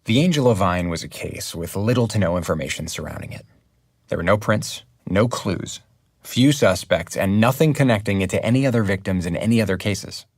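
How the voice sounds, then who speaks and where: An actor playing an earnest investigative podcast host, delivering scripted narration. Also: male voice, deep voice, expressive, brisk. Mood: earnest, intrigued. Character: earnest, driven male investigative true-crime podcast host. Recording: music under the voice.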